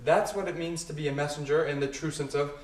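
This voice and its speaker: A man who is a native English speaker, explaining ideas through everyday examples and questions in a casual two-person talk. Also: fairly high pitch. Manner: leads with examples, asks questions, quick and animated. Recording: roomy echo, a bit far from the mic.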